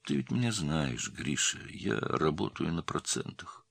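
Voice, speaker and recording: A man voicing an old male jeweler in his seventies, who speaks slowly and quietly with calm dignity. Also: extremely low pitch, gravelly, breathy edge, no room sound, heavily acted. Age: 70s.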